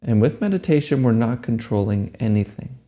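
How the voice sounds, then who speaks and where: A man leading a guided meditation, giving gentle, unhurried instructions. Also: mid-range voice, animated, highs cut off.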